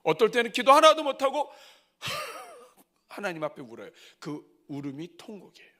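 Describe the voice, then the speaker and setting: A middle-aged man preaching at a church revival, moving from soft asides to loud cries. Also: very high-pitched, wildly swooping pitch, normal speed. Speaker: pastor. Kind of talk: revival sermon. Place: church sanctuary.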